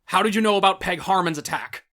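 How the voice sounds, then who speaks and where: A man's voice: sits high, fast, noisy background, close to an everyday voice. A man playing a cruel, theatrical crime boss in an audio drama, mock-courteous and condescending with menacing outbursts. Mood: threatening, angry.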